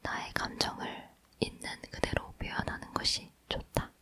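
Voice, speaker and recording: A woman's voice: normal speed, pushed and bright. Woman leaning in to whisper a book. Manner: leaning in to whisper, close and breathy. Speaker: ASMR reader. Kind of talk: whispered ASMR book reading. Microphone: close microphone.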